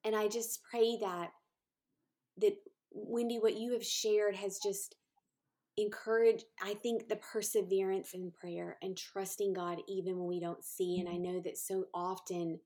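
A woman's voice: mid-range voice, steady tone, a little slow, a little mellow. Heartfelt woman host encouraging listeners. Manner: heartfelt, repetitive phrasing, many fillers. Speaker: podcast host. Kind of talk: encouraging podcast talk.

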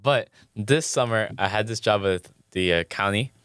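A young man in college with a Hispanic accent, chatting casually in a halting, rambling way, full of "like" and "bro". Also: lowish voice, fairly bright tone, smooth, dry recording, studio quality. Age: young adult. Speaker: college student guest. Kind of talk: casual chat.

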